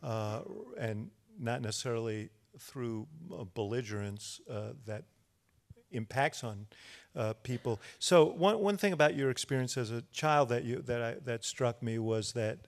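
A man in his sixties hosting a live interview on stage, asking questions with many pauses and fillers into a handheld mic. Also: medium pitch. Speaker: interview host. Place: large hall on a stage before an audience. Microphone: handheld microphone.

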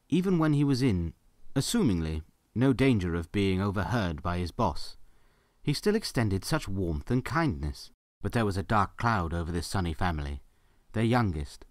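A man's voice: sits low, dry recording, studio quality. A man giving scripted narration for a story, as the narrator of an audio drama.

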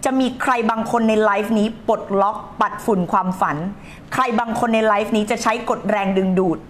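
A woman's voice: mid-range voice, steady tone, fairly quick, slight background noise. A woman life coach hosting a live stream, talking emphatically, scolding and teasing her viewers and reading their comments aloud. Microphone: streaming setup.

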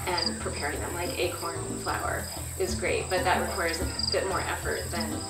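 A woman's voice: on the low side, fairly even intonation, normal speed. Woman teaching a workshop, asks the group lots of questions, far-off camera, echoey, crickets buzzing. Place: outdoor pavilion, standing at a flip chart. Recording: roomy, distant camera audio with noise. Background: insects and crickets.

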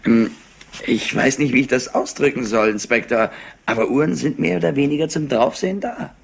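An actor playing a clever, slightly overwrought young nephew in a German crime radio play, evasive and condescending. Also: male voice, mid-range voice, a little fast, creaky, slightly rough. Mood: guarded, haughty.

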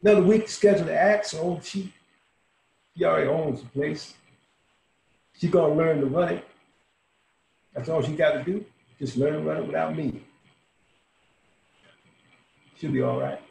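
A man's voice: on the high side, sing-song, moderate pace, creaky, long pauses, darkish tone. An actor in his sixties playing a dying, world-weary old bar owner in a folksy, salty, intimate dramatic monologue. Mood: fond, resigned. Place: small room at home, indoors. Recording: roomy home webcam audio, faint hiss.

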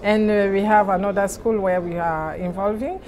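Middle-aged Cameroonian-accented woman, mid-pitched, interviewee with halting, word-searching delivery. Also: steady tone, a little mellow. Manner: halting, searching for words in non-native English. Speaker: interviewee, NGO president. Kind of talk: interview answers. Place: large indoor conference venue lobby.

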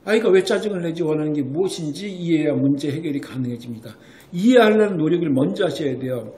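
High-voiced man lecturing in an echoey room. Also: lively intonation, fast, a little mellow. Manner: emphatic, keeps asking rhetorical checks like "right?". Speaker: Korean medicine doctor explaining child development. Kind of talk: explanatory talk to parents.

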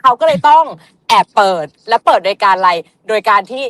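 A woman's voice: on the high side, animated, fairly quick, fairly bright tone. A woman politician, a guest on a casual talk show, explaining at length and often restarting her sentences.

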